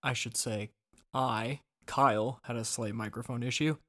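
A man co-hosting a podcast in casual chat, relaxed and quick to laugh, recorded on a laptop microphone. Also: medium pitch. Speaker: podcast co-host and editor. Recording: echoey, distant laptop mic with fan noise.

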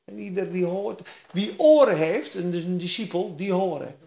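A woman preaching a sermon, swinging between quiet asides and loud, excited bursts. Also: lowish voice, moderate pace, gravelly. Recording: echoey room.

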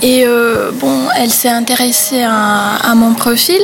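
A woman's voice: on the high side, fairly even intonation, unhurried, gravelly, noisy background. A young woman speaking French as a second language, answering interview questions casually with many hesitations. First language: not French. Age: young adult. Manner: hesitant, many fillers, laughs easily. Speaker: webzine co-founder, guest.

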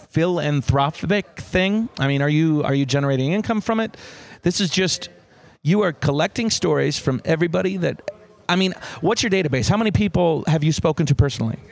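A man's voice: fairly high pitch, moderate pace, vocal fry. A man hosting a casual interview, hesitant, with many fillers. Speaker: podcast host.

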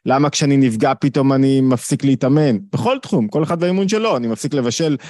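A man's voice: medium pitch, darkish tone, dry recording. A man hosting and teaching a study series over a video call, explaining his ideas through rhetorical questions and lists of examples.

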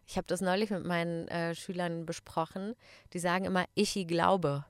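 A woman's voice: fairly low pitch, level tone, fairly quick, clean tone, dry recording. A woman teacher explaining language patiently in a casual chat. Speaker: German teacher.

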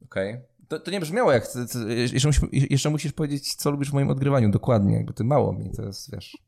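A man's voice: medium pitch, brisk, gravelly, darkish tone. A man, the game master, chatting about a finished campaign and asking his players probing questions with dry teasing. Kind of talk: casual chat about a tabletop campaign.

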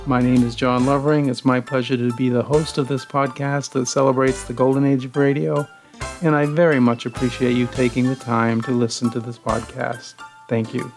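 A man hosting a podcast, giving a measured, formal scripted introduction to old-time radio. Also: mid-range voice, level tone. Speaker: podcast host. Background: soft guitar music.

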